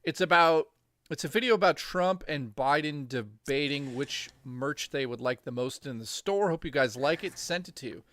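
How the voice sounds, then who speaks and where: A man's voice: fairly high pitch, moderate pace, fairly bright tone. A man co-hosting a casual livestream, reading viewer donations aloud with crude jokes while losing his voice. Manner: crude, joking, reads messages aloud.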